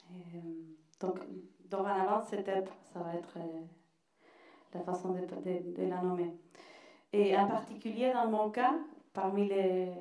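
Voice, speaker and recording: A woman from Argentina, speaking French with a strong Argentine Spanish accent. She talks haltingly, with many restarts, in a mellow voice. The sound is echoey, taken from far off in a large hall. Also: mid-range voice. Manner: hesitant, many restarts and fillers. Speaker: panelist, anthropology researcher. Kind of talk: academic panel talk.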